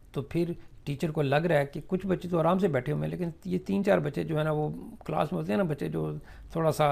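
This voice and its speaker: A man teaching simple classroom English sentences, saying each one slowly and explaining it at length with many fillers. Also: a little high, creaky, a little mellow. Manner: slow, drawn-out model sentences in English, then Urdu explanation with many fillers. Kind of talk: spoken English lesson explained in Urdu.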